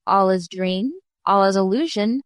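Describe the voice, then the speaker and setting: A woman's voice: medium pitch, measured pace, no room sound, studio quality. Woman reading a classic story aloud. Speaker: audiobook reader. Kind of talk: scripted narration of a classic story.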